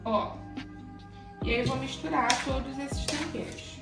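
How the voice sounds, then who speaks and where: High-voiced chatty woman vlogging in her kitchen. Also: a little slow, distant mic. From Brazil. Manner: chatty, addresses viewers affectionately. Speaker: cooking vlogger. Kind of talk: casual cooking vlog. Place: home kitchen, indoors. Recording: echoey kitchen from off-mic with music.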